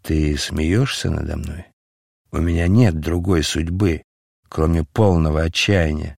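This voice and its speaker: A man's voice: very deep voice, unhurried, vocal fry, darkish tone, no echo, studio quality, voice pushed down, exaggerated voice. A man voicing Barabbas, a passionate, brooding man speaking with dejected bitterness. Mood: dejected, bitter.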